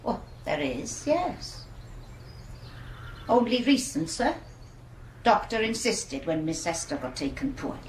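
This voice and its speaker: An actress playing a homely, talkative and deferential Welsh housekeeper in a 1980s British radio drama. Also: female voice, fairly high pitch, very animated, takes it slowly, pauses often, a little hiss or hum. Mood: brisk, helpful. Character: deferential, chatty Welsh housekeeper, married woman.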